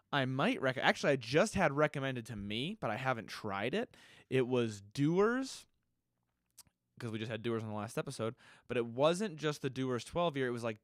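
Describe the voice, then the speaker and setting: A man's voice: mid-range voice, no echo, clean studio sound. A man hosting a solo podcast, answering listener questions in a loose, rambling way and often correcting himself, his nose a little stuffy. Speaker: podcast host.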